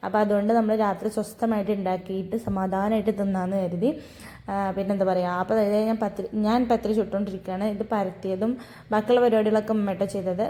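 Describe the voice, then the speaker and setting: A woman's voice: mid-range voice, warm tone. A young woman, telling her day in a chatty, storytelling vlog voice-over. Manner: chatty, storytelling, frequent tag "ട്ടോ". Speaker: vlogger.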